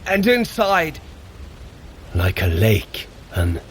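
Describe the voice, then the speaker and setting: A strong, boastful Norse warrior god in an audio drama. He booms out heroic, old-fashioned lines with wide, animated swings of pitch, over faint background ambience. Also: extremely slow, a little hiss or hum, exaggerated voice. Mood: awed. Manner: booming, declamatory, archaic heroic phrasing.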